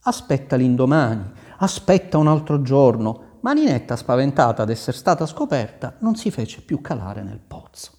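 A man reading a fairy tale aloud as storyteller, with expressive, dramatic narration. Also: mid-range voice, normal speed, few pauses.

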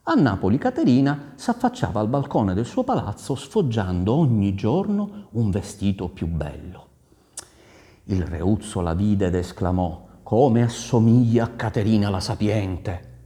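A man reading a folk tale aloud in an animated, expressive way with dramatic pauses. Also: on the low side. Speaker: storyteller.

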